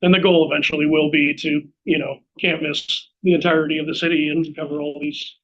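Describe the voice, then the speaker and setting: A man's voice: fairly high pitch, level tone, fairly quick. A man answering questions as city staff, explaining informally in a meeting. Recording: dull, band-limited meeting audio.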